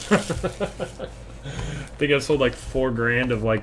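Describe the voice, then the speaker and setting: A man talks at a fairly slow pace while noticeable background noise plays beneath him. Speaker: card break host. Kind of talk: live card break commentary. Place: shop. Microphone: webcam.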